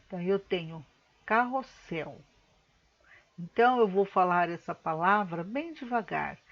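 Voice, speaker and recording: A woman teacher giving a recorded lesson, patiently explaining step by step and slowing words down to split them into syllables. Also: mid-range voice, fairly bright tone, lo-fi sound. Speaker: schoolteacher.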